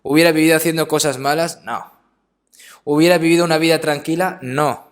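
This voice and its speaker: A man preaching a sermon in a conversational way, often adding short questioning tags, softening and slowing down when telling stories. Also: fairly high pitch, steady tone.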